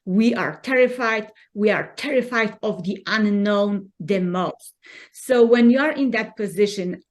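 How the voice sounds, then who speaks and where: Polish-accented woman, earnest and encouraging. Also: mid-range voice. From Poland. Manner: earnest, encouraging, halting non-native phrasing. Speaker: guest. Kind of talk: conversational interview.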